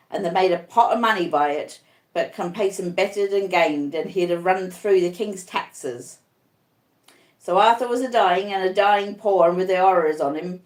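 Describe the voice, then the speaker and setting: An old convict read by a woman recounts a criminal past in confiding, plain-spoken storybook narration. The speech is rustic and uneducated, and the room echoes clearly around the voice. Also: lowish voice, a little mellow, close to an everyday voice. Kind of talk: audiobook first-person narration.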